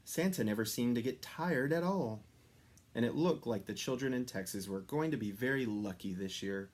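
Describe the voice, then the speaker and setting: A man reading a children's story aloud expressively, with dramatic pauses and stressed descriptive words. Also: medium pitch, a little mellow. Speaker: story reader.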